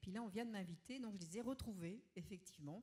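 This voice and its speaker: Speaking very fast with lively intonation, a woman uses a medium pitch and a somewhat breathy voice. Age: 60s. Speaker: children's and youth author. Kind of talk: conference panel discussion.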